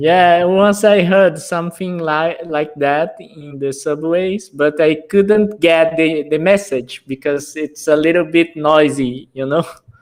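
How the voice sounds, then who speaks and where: A man's fairly high voice with a Portuguese accent, at a very slow pace with hardly any pauses. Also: fairly even intonation. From Brazil. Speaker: podcast host. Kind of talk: interview on live stream. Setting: live YouTube session.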